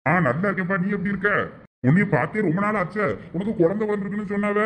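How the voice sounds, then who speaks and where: Chatty shopkeeper guy, thoothukudi accent, high voice, some ambient noise. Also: racing. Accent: Thoothukudi Tamil.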